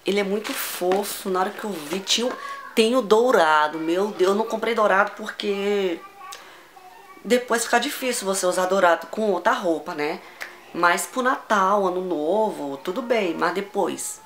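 A Brazilian woman vlogging a casual shopping haul, gushing and excitable, repeating words as she shows each item. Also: medium pitch, moderate pace, slight background noise, low-quality recording. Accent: Brazilian Portuguese. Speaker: fashion vlogger.

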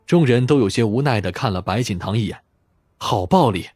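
Male narrator, mid-pitched, lively and dramatic delivery of crime fiction, light music bed. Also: fast talker, no room sound. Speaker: audiobook narrator.

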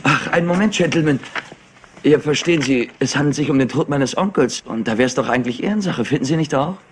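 An actor playing an evasive, high-strung young business heir in a German crime radio play, smooth-talking and impatient. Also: male voice, quick pace, natural voice. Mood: nervous, hurried. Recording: noisy retro radio play.

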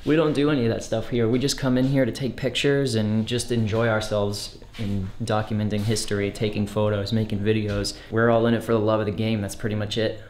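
A young man with a low, mellow voice narrates his walk through an abandoned house, slangy and excited as he points things out to viewers. He's on a handheld camera, and the bare rooms around him echo. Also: fairly quick, hardly any pauses, a little hiss or hum. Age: young adult. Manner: excited, slangy, talking to viewers while walking. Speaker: urban explorer vlogger. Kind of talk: casual walkthrough narration. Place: empty abandoned house, large indoor rooms. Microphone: handheld action camera. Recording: echoey empty rooms.

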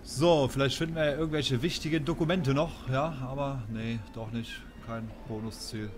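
A man's voice: medium pitch, fairly even intonation, normal speed. A man, casually commenting as he plays a video game, chatty and self-mocking as he thinks aloud. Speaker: let's play commentator. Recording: game music loud behind. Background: game music and sounds.

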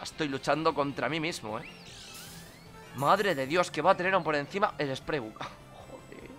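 A man's voice: fairly high pitch, normal speed, sharp tone. A young man, commentating his online game match with frequent swearing and exasperated outbursts. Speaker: gaming commentator. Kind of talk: live gameplay commentary. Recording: game music playing faintly behind.

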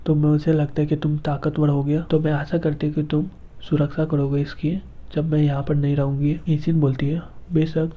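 A man narrating a manga comic story, reading every character's lines in the same steady narrating voice. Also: fairly high pitch, normal speed, muffled recording. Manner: reads every role in one steady narrating voice. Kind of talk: scripted narration.

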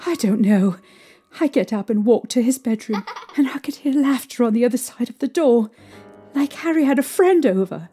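A young woman playing a distraught, haunted mother recounting her ordeal emotionally and haltingly in an audio drama. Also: on the high side, expressive, mellow, breathy edge, soft background music. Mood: uneasy, shaken.

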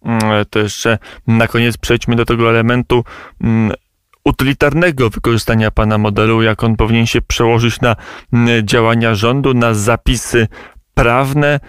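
A male radio host speaks in a smooth, clear voice that stays level in pitch. The studio sound is dry, and he poses his questions in a measured way, filling pauses with long hums. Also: fairly even intonation, dry recording. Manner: measured, with drawn-out filler hums.

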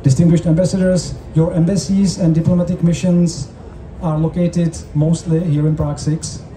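A man with a Czech accent interpreting formally and in measured phrases as a host on an open-air festival stage. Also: on the high side, flat delivery, mellow. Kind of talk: live consecutive interpreting at a public event. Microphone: handheld mic through PA, recorded from audience. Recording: roomy, distant stage PA sound with noise.

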